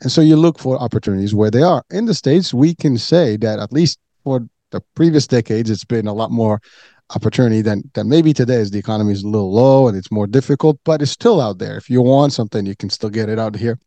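Mellow-voiced man, earnest and rambling. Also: mid-range voice, fast talker, no echo. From Morocco. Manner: earnest, repeats words and says "you know" often. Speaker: podcast host. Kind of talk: casual interview talk.

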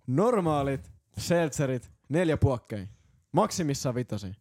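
A man's voice: mid-range voice, big pitch swings, noisy background. A man, a podcast guest, rambling and joking in casual drinking banter at a close mic in a small studio. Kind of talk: casual chat.

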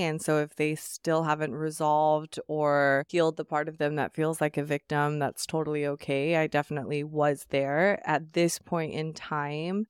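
A woman in her thirties, an interviewee reflecting on her past in a calm, measured, storytelling way. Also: low-pitched, clean tone, no room sound, studio quality. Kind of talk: casual interview.

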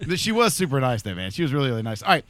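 A man's voice: mid-range voice, very animated, rapid-fire, fairly bright tone, no room sound. A man hosting a casual podcast chat, rambling and often restarting his sentences. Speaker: podcast host.

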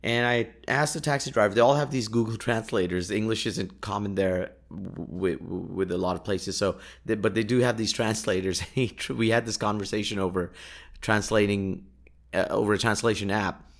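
A young man with a fairly low voice recounts his travels in a relaxed, rambling way. Urdu is his first language, and he leans on fillers and quick laughs as he goes. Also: gravelly. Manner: chatty, laughs often, many fillers and restarts. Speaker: podcast host. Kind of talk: casual travel storytelling.

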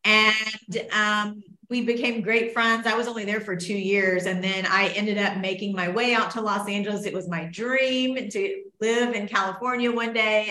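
A woman from Memphis, a real estate agent, telling in a lively, jokey way how she and her partner met. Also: mid-range voice, echoey room. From Memphis, US South. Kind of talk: casual interview storytelling.

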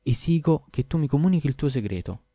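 A man voicing a merchant's insistent, demanding wife, in a shrill raised voice, reading an audiobook. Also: sing-song, fast talker, dark tone, dry recording, studio quality. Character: insistent tearful merchant's wife, adult woman. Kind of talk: audiobook character voice.

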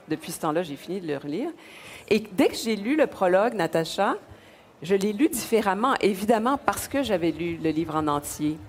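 A woman, interviewing an author with warm enthusiasm. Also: mid-range voice, a little hiss or hum. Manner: enthusiastic, effusive. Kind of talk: radio interview.

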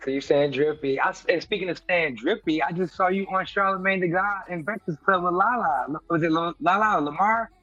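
A man from the American Midwest interviewing a guest in a casual, playful, slangy way with quick interjections. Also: sits high, pushed and bright, no room sound, dull audio. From Detroit, Michigan, US.

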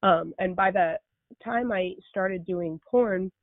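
A young woman with a Californian accent talks candidly as an interview guest, her voice hoarse, raspy and strained, with informal, hesitant phrasing. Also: mid-range voice, slow pace, no echo. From United States, San Fernando Valley in California. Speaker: podcast guest. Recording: thin, phone-like sound.

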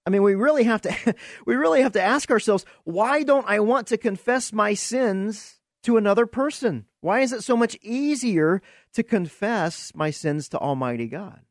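A man's voice: high voice, expressive, normal speed, no echo, clean studio sound. A man hosting a Christian Q&A podcast, teaching in an earnest preaching style, asking rhetorical questions and repeating words as he searches for them. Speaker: podcast host and Bible teacher.

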